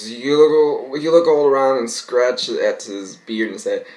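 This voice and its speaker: Reading fan fiction and reacting to it, a young adult man rambles in a medium-pitched, darkish voice at a slightly slow pace. His amateur reading often stumbles, and he's recording at home in his bedroom.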